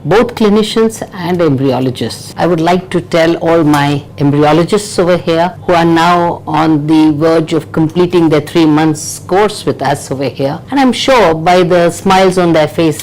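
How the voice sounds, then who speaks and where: Woman, program director; low voice, confident, emphatic, speechlike; faint noise. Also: a little mellow, poor audio. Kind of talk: interview statement.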